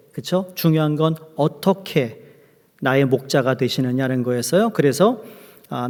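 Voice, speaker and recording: A man's voice: fairly high pitch, a little mellow. A man preaching a sermon as pastor, joking with his congregation. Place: church sanctuary. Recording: long hall reverb.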